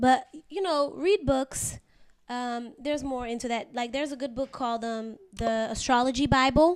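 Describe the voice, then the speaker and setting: Here a woman talks with an American accent. Her pitch is high, with ordinary pitch variation. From came to the US as a child from abroad. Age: 30s. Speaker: podcast guest. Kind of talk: casual chat. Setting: studio. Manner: fast.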